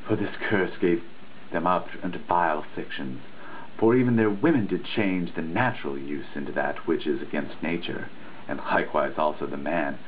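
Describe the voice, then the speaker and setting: A man giving a dramatic reading of a written text in a measured, declamatory, emphatic manner. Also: sits low. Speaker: reader, host of a reading series. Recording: muffled phone-like sound, faint noise.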